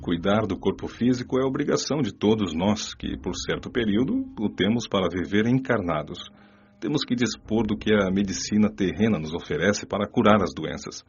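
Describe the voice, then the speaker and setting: A wise, gentle spirit doctor explains things patiently in a very deep, husky voice. He has a Brazilian Portuguese accent and a calm, paternal manner. The dull lo-fi sound suits a radio play. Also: full character voice. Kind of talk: radio drama dialogue. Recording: dull lo-fi audio.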